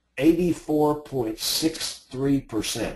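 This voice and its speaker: A somewhat breathy man with an animated tone. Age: 60s. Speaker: sales and social media trainer for car dealers. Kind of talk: webinar Q&A. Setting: online webinar.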